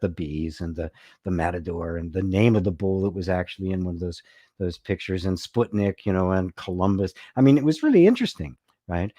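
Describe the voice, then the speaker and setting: A middle-aged man, a spiritual teacher, giving an unhurried, reflective talk and answering viewers' comments. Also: low voice, warm tone, dry recording, studio quality. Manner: unhurried, reflective, often ending with "right?"; reads viewer comments aloud. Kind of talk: live-streamed satsang talk.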